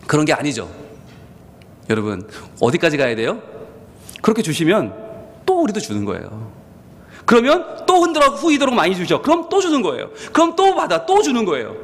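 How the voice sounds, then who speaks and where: A male senior pastor preaching a sermon, with sudden swings in pitch and volume, acting out what his listeners might think in quoted asides. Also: long reverb tail. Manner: acts out the congregation's thoughts in quoted asides. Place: church sanctuary.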